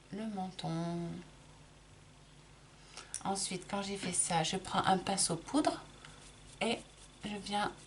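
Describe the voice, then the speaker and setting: A middle-aged woman talks through her makeup routine in a relaxed, chatty way, stopping and restarting her sentences as she works. Her voice has a light gravelly edge. There is a faint hiss and some room ambience behind her. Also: medium pitch. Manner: chatty, explains while applying, frequent restarts and fillers. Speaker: makeup vlogger. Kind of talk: casual makeup tutorial.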